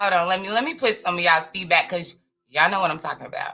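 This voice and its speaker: A woman speaks loudly at a fairly low pitch with music playing in the background. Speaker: tarot reader livestream host. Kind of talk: live stream casual chat. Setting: live stream. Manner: animated.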